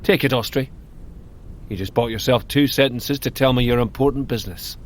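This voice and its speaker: An actor playing a vengeful, shrewd dwarf chieftain in an audio drama, gruff, sarcastic and used to command. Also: male voice, mid-range voice, fairly quick, a little hiss or hum, close to an everyday voice. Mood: grudging, sardonic.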